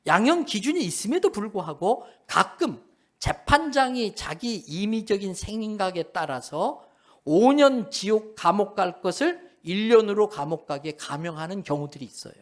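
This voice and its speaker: A middle-aged man preaching from the pulpit, his voice sitting high for a man. He drives his points home with emphasis and slips into little acted-out voices for the people in his stories. The delivery has the steady push of a Sunday sermon. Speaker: pastor.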